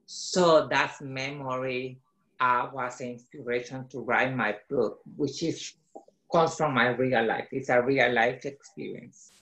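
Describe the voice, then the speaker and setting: A man's voice: mid-range voice, fairly even intonation, unhurried, a bit bright. A middle-aged man from El Salvador with a Salvadoran Spanish accent, a children's author presenting and reading aloud on a video call. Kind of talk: explaining and reading a picture book aloud. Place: small home office, indoors. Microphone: video call computer microphone. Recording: roomy, echoey video call.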